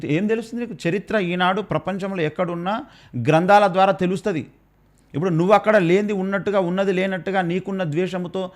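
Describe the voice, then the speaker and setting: A man with a Telangana Telugu accent, a Christian commentator scolding with pounding rhetorical questions and repeated warnings. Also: high voice. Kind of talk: preachy rebuttal.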